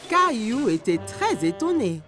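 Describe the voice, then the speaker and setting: A woman narrating a scripted children's story in simple sentences, with expressive storytelling. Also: fairly high pitch, unhurried. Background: music.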